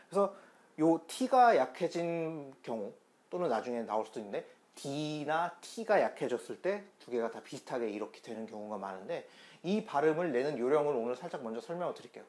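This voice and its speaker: Lively man teaching pronunciation. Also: mid-range voice. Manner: explains step by step and repeats demonstration sounds. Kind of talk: online pronunciation lesson.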